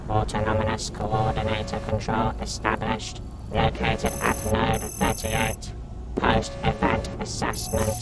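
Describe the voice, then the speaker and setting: A man's voice: fairly low pitch, rough recording. A man voicing a cold, emotionless machine intelligence in a science fiction audiobook, with clipped mechanical phrases and robotic processing. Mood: cold, methodical. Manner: clipped, monotone, mechanical delivery of short reports. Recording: loud music behind.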